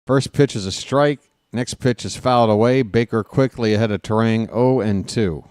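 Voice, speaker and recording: A man in his late forties calls a ballgame for his own fan channel, drifting from plain pitch-by-pitch calls into sarcastic grumbling and loud rants. His voice is smooth and full, sitting in an ordinary middle register, and it sounds close and dry with no room around it. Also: normal speed, dry recording. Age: 40s. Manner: wry, sarcastic asides and grumbling between calls; gets loud and animated when ranting. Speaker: fan play-by-play broadcaster. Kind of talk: casual live play-by-play with rambling commentary.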